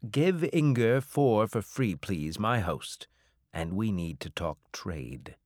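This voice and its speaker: A man's voice: fairly low pitch, sing-song, takes it slowly, a little mellow, no room sound, clean studio sound, full character voice. A man voicing a roguish alien trader captain, cheeky and breezy, in an audiobook. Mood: salesmanlike. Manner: glib, breezy.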